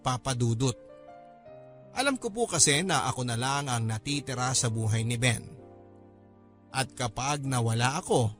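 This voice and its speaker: A man narrating a scripted first-person letter for a radio drama, in a measured, confiding manner. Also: medium pitch, a bit bright.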